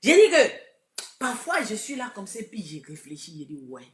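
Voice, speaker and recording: A woman with an Ivorian French accent giving an impassioned, preachy live video address, swinging from shouted lines to hushed asides. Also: a little high, sing-song, moderate pace. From Côte d'Ivoire. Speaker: online commentator.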